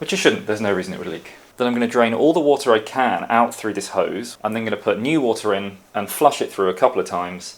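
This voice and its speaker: A man with a British accent talks at a very fast pace with hardly any pauses, a medium pitch, and lively intonation. The recording is very clean, with a silent background. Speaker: PC builder, video host. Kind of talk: build tutorial narration. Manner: soft-spoken.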